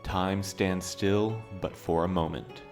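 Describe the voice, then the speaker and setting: An actor playing a solemn, ominous storyteller, delivering a portentous scripted intro to an audio drama. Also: male voice, deep voice, steady tone, takes it slowly, a little mellow. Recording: music under the voice.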